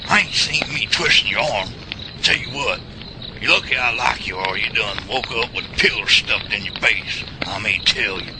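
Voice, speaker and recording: A deep, drawling old Southern country man acted by a man in an audio drama. He is folksy and cantankerous, forever bickering with his partner. Heavy outdoor ambience sits loudly behind the voice. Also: normal speed, natural voice. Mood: rattled, irritated. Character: grumpy old rural Southern man, bickering Bigfoot hunter. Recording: loud outdoor ambience noise over voice.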